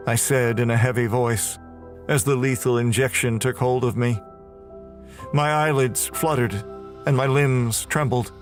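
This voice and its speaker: A man performs a grim, unrepentant murderer recounting his own execution for a horror audio drama. He speaks very slowly and deliberately, with halting weight on his phrases. Music plays underneath the voice. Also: mid-range voice, close to an everyday voice. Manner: slow, heavy, deliberate, halting delivery.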